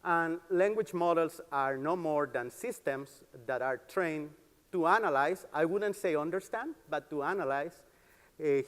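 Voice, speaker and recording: A man giving an explanatory conference talk as a developer advocate, with an informal, enthusiastic and slightly halting manner. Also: a little high. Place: conference stage, amplified in a large hall. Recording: reverberant hall.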